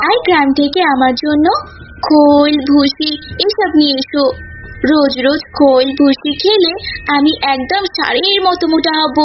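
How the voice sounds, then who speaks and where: A woman's voice: high-pitched, lo-fi sound, slight background noise. A woman voicing a clever, unafraid young cow in a cartoon folk tale, coaxing and politely reasoning. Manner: coaxing, reasoning, addresses listener as uncle.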